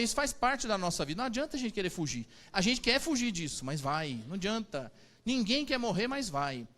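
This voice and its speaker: A man's voice: high voice, fairly bright tone. A Catholic priest gives a chatty sermon to a congregation. He jokes often and keeps asking his listeners "né?". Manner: chatty and joking, asks the audience "né?".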